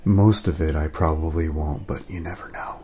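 A man speaking softly in a casual ASMR roleplay, laid-back and friendly, chatting as if to a friend. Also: extremely low pitch, fairly even intonation, normal speed. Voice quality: soft, breathy at times, creaky.

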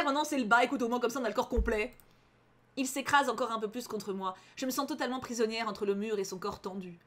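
A young woman reading a visual novel aloud as a let's player, animated and often exclaiming in outrage. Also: on the high side.

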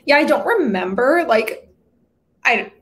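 Brief: woman, twenties, video-call guest, high lively voice, giggly and agreeable. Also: a little slow. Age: 20s. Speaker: guest writer. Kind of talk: casual video-call chat. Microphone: webcam video call.

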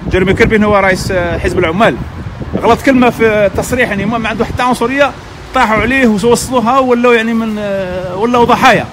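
A man's voice: high voice, racing, noisy background. A middle-aged man from Algeria with an Algerian Arabic accent, giving heated, exhorting advice to his community in a vlog, talking outdoors near a street. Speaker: community vlogger. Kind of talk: impassioned advice monologue.

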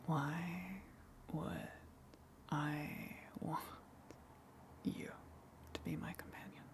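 A woman voicing a gentle, lonely female tentacle monster in a breathy, halting whisper, as an ASMR roleplay. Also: deep voice, fairly even intonation, noisy background, full character voice. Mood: tender, lonely. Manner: soft, halting, reassuring.

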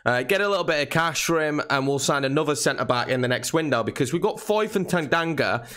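Chatty young man, slightly croaky. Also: on the high side, fast talker. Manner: chatty, excitable at chances. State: slightly nasal and croaky from a cold. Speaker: gaming channel host. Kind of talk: casual gameplay commentary.

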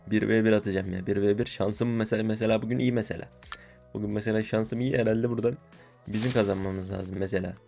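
A young man giving casual gaming commentary, excitable and given to swearing, shouting when he wins. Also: fairly low pitch, quick pace, gravelly, soft background music. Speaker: gaming streamer.

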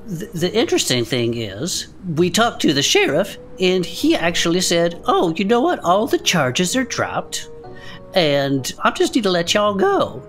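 A woman's voice: lowish voice, wildly swooping pitch, unhurried, soft background music. A woman roleplaying in a tabletop game in a sardonic manner.

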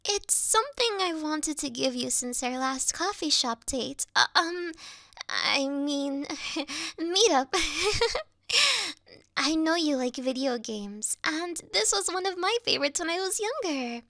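A woman playing a sweet, clingy young yandere video game girl in a soft, coy, cutesy ASMR roleplay style. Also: sits high, lively intonation, slow pace, no echo, clean studio sound, full character voice. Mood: coy, affectionate.

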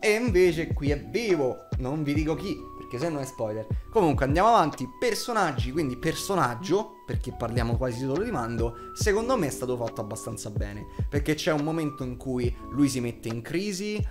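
Young male vlogger, twenties. Mid-pitched, informal, slangy review delivery over clear guitar music. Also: sing-song, fairly quick, few pauses. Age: 20s. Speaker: YouTube reviewer. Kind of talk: casual spoken TV series review. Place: small home room with shelves, indoors. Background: background guitar music.

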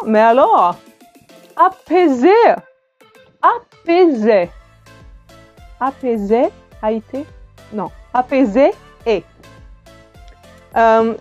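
In a comic sketch, a woman plays a prim, flustered grown woman offering a hesitant testimonial packed with pauses and fillers. Her voice is high and the audio sounds dull.

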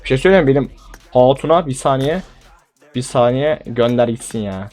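A young man giving casual, animated gameplay commentary, pleading with and exclaiming at the game as he plays. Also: mid-range voice, normal speed, soft background music. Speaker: gaming YouTuber.

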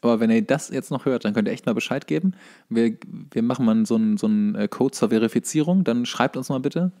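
A man's voice: mid-range voice, fast, warm tone. A man chatting casually as a podcast host, in a joking, self-deprecating way.

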